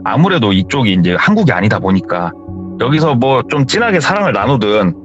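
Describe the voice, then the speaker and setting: A man's voice: mid-range voice, a little fast, lo-fi sound, over music. A man hosting a horror story radio show, casually retelling a viewer's true story and acting out the characters' lines. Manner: animated, acts out the characters' lines.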